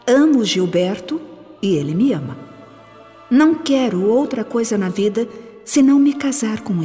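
Reverberant, music behind, young woman, introspective, dramatic soliloquy, mellow, slow radio drama delivery. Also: medium pitch. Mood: defiant. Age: young adult. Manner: dramatic, introspective, pausing between phrases. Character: young woman, self-justifying, guilt-troubled, passionate in love.

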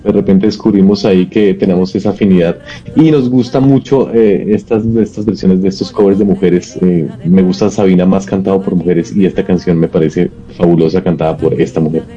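Dark-voiced actor, hesitant and reflective. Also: male voice, low-pitched, steady tone, a little fast, dull audio, soft background music. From Colombia. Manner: reflective, with frequent hesitant fillers. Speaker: actor, interview guest. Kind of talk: casual conversational interview answers.

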